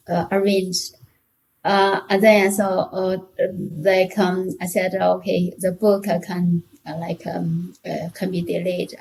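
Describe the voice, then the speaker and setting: A woman with a Chinese accent chatting as a podcast guest in a halting, hesitant way. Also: lowish voice, vocal fry, a little mellow, slight background noise, rough recording. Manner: halting, hesitant, many short restarts. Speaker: podcast guest, technical author. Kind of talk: casual interview chat.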